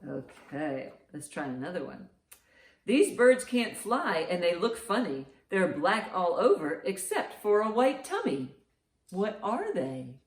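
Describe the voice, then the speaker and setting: A woman's voice: medium pitch, big pitch swings, measured pace. A woman reading aloud and posing riddles to young children as a storytime host, encouraging and big in her reactions. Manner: encouraging, exaggerated reactions to answers. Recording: roomy, echoing sound.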